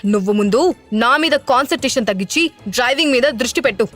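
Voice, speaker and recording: A woman's voice: on the high side, fast, a bit bright, soft background music, close to an everyday voice. A woman voicing a young mother who answers her family in a cold, curt way. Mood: cold defiant.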